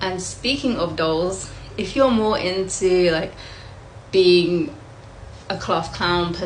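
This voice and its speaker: With lively intonation and a medium pitch, a woman speaks through noticeable background noise and audible room echo. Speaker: YouTuber. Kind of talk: casual vlog monologue. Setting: filming at home late at night. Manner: stuttering; rambling, chatty.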